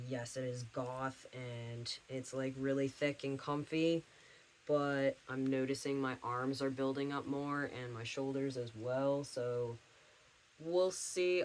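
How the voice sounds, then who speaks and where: Young man, casual video diary, rambling, many fillers, medium pitch, camera mic, light background hiss. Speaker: vlogger. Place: at home.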